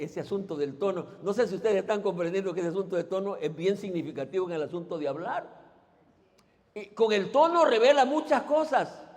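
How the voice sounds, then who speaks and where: A man's voice: high-pitched, darkish tone. A male pastor preaching a sermon, asking the congregation to repeat after him and throwing out questions. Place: church sanctuary. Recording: long church reverb.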